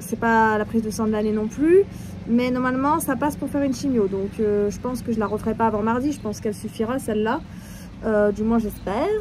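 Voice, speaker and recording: Fairly quick speech from a woman with a fairly high pitch, noticeable background noise behind her. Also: ordinary pitch variation. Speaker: vlogger undergoing chemotherapy. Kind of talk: casual vlog to camera. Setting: outdoors.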